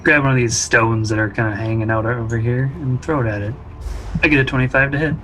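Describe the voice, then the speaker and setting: Mid-pitched man in casual game-table talk. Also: steady tone, fast talker, fairly bright tone, a little hiss or hum, low-quality recording. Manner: informal, conversational.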